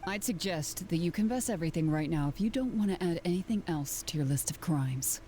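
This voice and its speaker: A woman's voice: lowish voice, expressive, fairly quick, dark tone, a little hiss or hum, lightly acted. A woman voicing a firm, no-nonsense investigator who gives orders and presses a suspect. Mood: stern. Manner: firm, commanding. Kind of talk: game voice acting.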